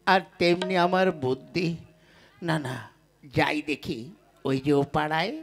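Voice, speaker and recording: A woman's voice: lowish voice, voice pushed down. A woman voicing a clumsy, half-mad young village man in a puppet show, mumbling and mangling names as he pines for a girl. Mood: scheming. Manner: bumbling, mumbling, mispronounces names.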